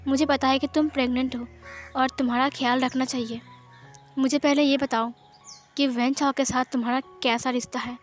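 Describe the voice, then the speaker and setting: A woman's voice: sits high, flat delivery, normal speed, soft background music, lightly acted. A woman voicing an angry young man who bitterly accuses his partner and family, in a sarcastic tone. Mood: cold, low.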